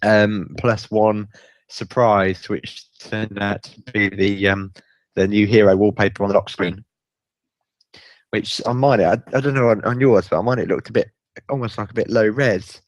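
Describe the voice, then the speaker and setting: A hoarse, croaky man with a fairly low voice, chatting casually on a tech podcast. He rambles, restarts his sentences and drops little chuckles. The sound is dry and close, with no room in it. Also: dry recording. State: hoarse, croaky voice from a chest infection. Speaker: podcast co-host.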